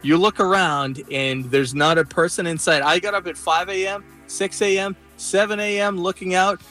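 A man reporting live for a radio show, telling his experiences casually and haltingly, with repeated starts. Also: high voice, fairly even intonation, pushed and bright, faint music behind. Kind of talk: casual live on-air storytelling.

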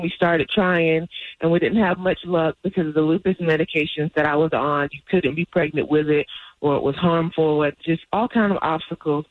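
A woman's voice: fairly low pitch, dry recording. A woman phoning in to a radio show, telling her own story casually over a narrow phone line. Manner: laughs easily. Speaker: phone-in guest.

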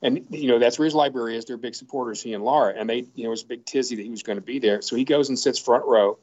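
A man tells lively stories in a relaxed podcast chat, speaking in quick bursts. His voice sits mid-range, and the audio is slightly dull and lo-fi. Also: mid-range voice. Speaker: sports broadcaster and podcast regular. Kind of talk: casual storytelling chat.

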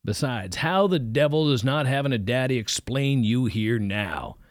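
Man doing a gruff old preacher, blunt, folksy, commanding, raised voice, dry close sound. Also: medium pitch, animated, normal speed, dry recording, close to an everyday voice. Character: blunt, gruff older male preacher, pipe smoker.

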